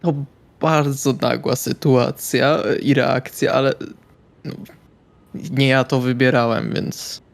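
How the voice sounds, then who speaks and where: A male tabletop player with a middle-pitched, creaky voice. His intonation is very flat as he speaks in character, hesitant and understated. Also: takes it slowly. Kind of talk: in-character tabletop roleplay, conversational.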